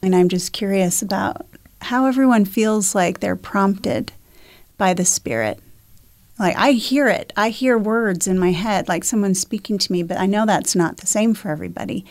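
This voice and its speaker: A woman's voice: mid-range voice, expressive, moderate pace. A woman hosting a faith discussion, affirming others and asking questions. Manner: warmly affirming, leads with questions. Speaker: discussion host.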